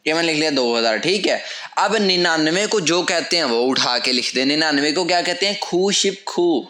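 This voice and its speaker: A man's voice: on the high side, lively intonation, a little fast, sharp tone. Patient man teaching step by step. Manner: patient, step-by-step, repeating key phrases. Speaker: language teacher. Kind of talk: whiteboard lesson explanation. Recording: echoey room.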